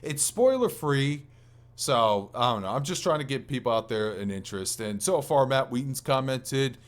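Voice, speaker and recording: A man's voice: mid-range voice, expressive, moderate pace. A man co-hosting a podcast, chatting casually and enthusiastically about video games with some swearing. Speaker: podcast co-host.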